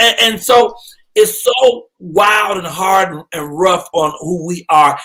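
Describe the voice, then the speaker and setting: The man's voice is high in pitch. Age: 60s. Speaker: comedian and morning show host. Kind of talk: casual live show chat. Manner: animated.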